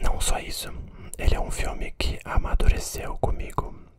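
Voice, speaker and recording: Whispering and soft-spoken, a man talks at a fairly slow pace over noticeable background noise. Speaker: film reviewer. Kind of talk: casual vlog chat about a film. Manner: soft close-mic ASMR whisper. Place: home room. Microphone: studio mic.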